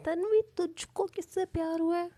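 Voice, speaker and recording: A woman's voice: a little high, normal speed, warm tone, natural voice. A woman voicing a confident young woman who teases her friend in a strict, bossy tone. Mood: teasing. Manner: teasing, bossy.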